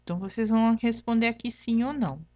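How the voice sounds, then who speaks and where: During a remote classroom lesson, a woman teacher with a Brazilian Portuguese accent explains patiently, adding "tá?" after each point and spelling examples out syllable by syllable. Her voice is on the high side and dark in tone, she speaks quickly, and the audio is dull with no echo.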